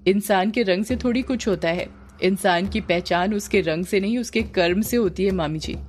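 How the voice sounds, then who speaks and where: A woman narrator voicing a polite young man who speaks gently but firmly. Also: mid-range voice, moderate pace, a little hiss or hum, lightly acted.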